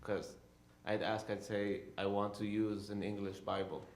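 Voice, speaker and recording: A man's voice: lowish voice, level tone, unhurried, echoey room. A man who grew up in Israel, a director talking with an audience after a show, chatty and full of "you know". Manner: conversational, lots of "you know" and "um". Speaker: director and co-translator. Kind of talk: post-show talkback answers. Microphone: handheld microphone.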